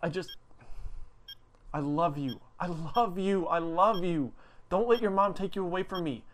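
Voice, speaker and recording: A man's voice: high-pitched, measured pace, slight background noise. An actor playing a devoted man pleading tenderly at his lover's hospital bedside, stammering as he talks. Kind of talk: TV drama acting.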